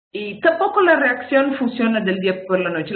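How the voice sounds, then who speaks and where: A woman with a Portuguese accent speaks at a fairly slow pace in a fairly high voice, with audible room echo. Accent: Portuguese-accented Spanish (portuñol). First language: Portuguese (speaking Spanish). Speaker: violence prevention expert. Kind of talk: webinar talk. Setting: online webinar.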